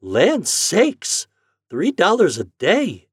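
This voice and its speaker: A man's voice: a little high, very animated, measured pace, a little mellow, no room sound, clean studio sound, voice pushed up. A man voicing an old-fashioned, thrifty farm mother in a storybook, speaking in rustic country dialect. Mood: surprised, doubtful. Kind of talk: storybook character voice.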